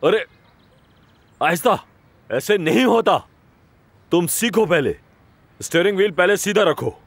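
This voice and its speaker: A middle-aged man voicing a patient husband who coaxes and calms others in a dubbed TV drama. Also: high voice, a little slow, slightly rough, dry recording, exaggerated voice. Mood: coaxing. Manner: coaxing, soothing.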